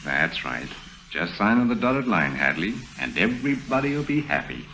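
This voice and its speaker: A greedy gangster boss, booming low with a hard, bright edge. He boasts and blusters like he owns the room. Old radio drama. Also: big pitch swings, moderate pace, vocal fry, slight background noise, exaggerated voice. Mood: smug. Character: greedy brash male racketeer boss. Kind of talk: 1950s radio drama acting.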